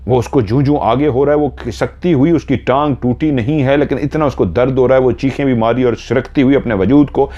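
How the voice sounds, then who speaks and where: A man narrating a horror story dramatically, rising in pitch and loudness at tense moments, on a dull lo-fi recording. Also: a little fast, few pauses.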